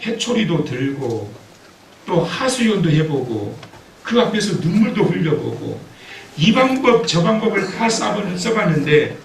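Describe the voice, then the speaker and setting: A man preaching a sermon as pastor, telling a story with acted-out quotes and building to loud exhortation, recorded in a church. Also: high voice, sing-song, a little slow, creaky, slight background noise. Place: church sanctuary. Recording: echoey church hall, mic at a distance.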